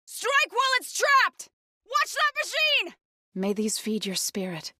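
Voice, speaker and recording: A woman's voice: very high voice, wildly swooping pitch, unhurried, pushed and bright, dry recording, clean studio sound, full character voice. An actress playing an earnest female tribal warrior companion, delivering short, emphatic battle lines for a video game. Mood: calm, supportive.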